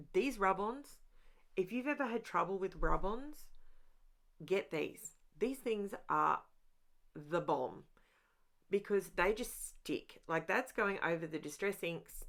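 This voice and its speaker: A middle-aged woman recording a relaxed craft voiceover at home. Her voice sits a little low and carries a gravelly edge, and she rambles cheerfully, speaking directly to the people watching. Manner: rambling and self-aware, talks straight to viewers. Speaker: crafting channel host. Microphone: voiceover mic.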